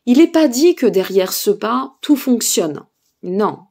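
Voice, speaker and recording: A woman's voice: fairly high pitch, sing-song, slow, vocal fry, warm tone. Tired woman with a Burgundian accent. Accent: Burgundian French. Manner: hesitant, many fillers, checks in with listeners. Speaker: spiritual guidance consultant. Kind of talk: casual talk to camera giving advice. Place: seated indoors.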